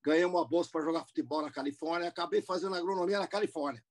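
A man's voice: on the high side, fairly even intonation, racing. An older man in his seventies, born in the United States, recounts his life at length on a video call. His slightly raised voice wanders through asides and restarts as he talks from a room at home. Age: 70s. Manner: rambling, with many restarts and asides. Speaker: guest businessman. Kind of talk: interview, telling his life story.

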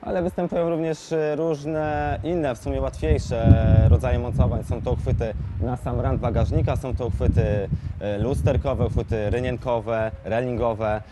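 A man's voice: mid-range voice, fairly even intonation, heavy background noise. A man giving an unscripted product explanation as a shop expert, hesitating often and repeating words, picked up on a lapel mic. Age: 20s. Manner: halting, hesitant delivery with frequent fillers and repeated words.

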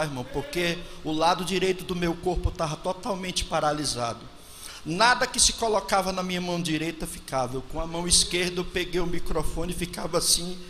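A Brazilian man in his forties preaching a testimony sermon into a handheld microphone at a pulpit, moving from hushed storytelling to shouted praise. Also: high voice. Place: large church hall with congregation. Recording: long church-hall reverb, faint noise.

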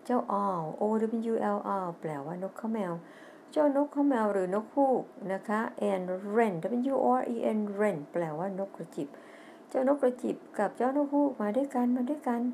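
Slow, careful Thai woman teacher. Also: fairly high pitch, animated, vocal fry, a little hiss or hum. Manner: reads English lines slowly and loudly, then explains quickly in Thai; spells words letter by letter. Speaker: English teacher. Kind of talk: TV English lesson, reading a children's story aloud.

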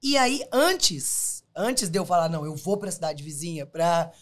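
A Brazilian woman casually telling an anecdote in an animated way, repeating words and acting out quoted dialogue. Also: on the low side, unhurried. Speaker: endurance athlete.

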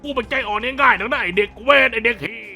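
A man voicing a loud, foul-mouthed male prison guard in a comic fan dub, shouting crude taunts. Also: very high voice, fast, vocal fry, faint music behind, exaggerated voice. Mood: scolding.

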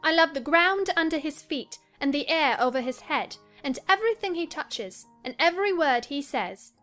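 A headstrong young lady from a classic novel. Her voice is high and emphatic, with a petulant, impetuous edge. Faint music plays behind her. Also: lively intonation, moderate pace, fairly bright tone. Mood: ardent, indignant. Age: young adult. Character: impetuous, peevish young lady confiding a secret. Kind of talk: dramatised classic novel reading.

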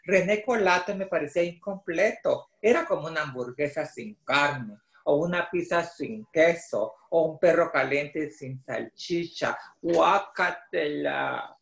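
A man's voice: fairly high pitch, normal speed, vocal fry, few pauses, fairly bright tone. A middle-aged man from El Salvador with a Salvadoran Spanish accent, a children's author presenting and reading aloud on a video call. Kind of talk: explaining and reading a picture book aloud. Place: small home office, indoors. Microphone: video call computer microphone. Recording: roomy, echoey video call.

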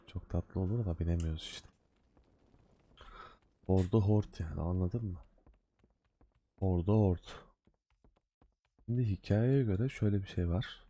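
This gaming video host, an adult with a day job, chats loosely over his own gameplay in slangy let's-play commentary, mock-scolding the game as he goes. He speaks in a low, mellow voice, and the recording carries a little hiss or hum.

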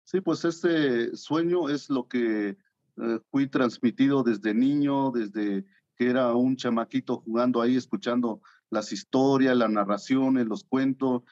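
A man's voice: medium pitch, a little slow, a little mellow, dull audio. A man in his thirties from Oaxaca, answering interview questions in a hesitant way, with many fillers, over a video call from his studio. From Oaxaca, Mexico. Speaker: guest artist. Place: home art studio.

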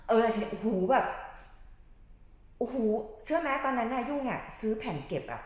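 A woman's voice: fairly high pitch, lively intonation, moderate pace, a little mellow. A woman interviewing casually in a gushing, admiring, informal way. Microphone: far camera microphone. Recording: very echoey room, mic at distance.

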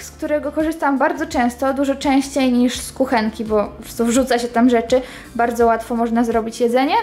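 A woman in her twenties chatting casually as she walks a camera around her small apartment, pointing things out. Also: sits high. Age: 20s. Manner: chatty, walking and pointing at things while talking. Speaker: vlogger. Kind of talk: casual house tour vlog. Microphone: handheld camera at arm's length.

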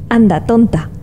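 An actress playing a warm, loyal, adventurous woman in an audio drama, soothing and affectionate. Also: mid-range voice.

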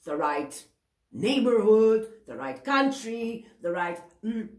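A woman's voice: on the high side, lively intonation, takes it slowly, gravelly, echoey room. A woman in her forties with a Greek accent, giving a tarot reading to camera in a chatty, self-correcting way and often checking in with the viewer. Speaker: tarot reader. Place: indoor room at a table.

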